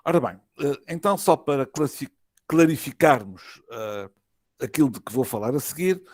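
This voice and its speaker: Portuguese man lecturing in measured phrases. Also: mid-range voice, a little mellow, no room sound, clean studio sound. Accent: European Portuguese. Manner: measured, formal, phrase by phrase with hesitations. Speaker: university professor, conference lecturer. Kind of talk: academic lecture read from a prepared text. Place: online web conference.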